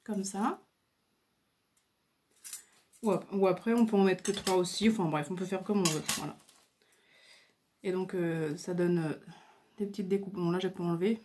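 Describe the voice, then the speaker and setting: Recorded on a camera mic at home with a little hiss or hum, a crafting video host chats casually through a show-and-tell of her craft supplies. Her voice is lowish and a little mellow, with a moderate pace and long pauses. She hesitates a lot and fills her speech with fillers.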